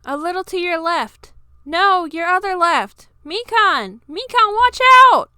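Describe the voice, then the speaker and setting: An excitable, loud teenager from an audio story, acted by a woman reader. The voice jumps up high and exclaims with energy, in a very dry recording. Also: measured pace, dry recording, exaggerated voice. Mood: alarmed.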